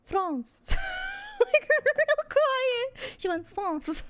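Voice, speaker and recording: Woman, Australian accent, high pitch, streamer, playful casual banter, giggly. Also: big pitch swings, drawn-out words, a bit bright, no room sound, clean studio sound. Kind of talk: casual chat.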